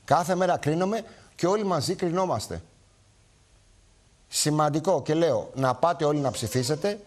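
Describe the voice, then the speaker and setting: A man's voice: on the high side, darkish tone. A man hosting a live television talk show, speaking emphatically to viewers and repeating his points.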